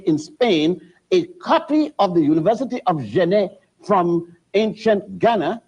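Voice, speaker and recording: An older man from Puerto Rico, a guest historian who lectures with halting restarts and spells words out letter by letter. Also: high-pitched, warm tone, husky. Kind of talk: lecturing TV interview. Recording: dull lo-fi TV audio.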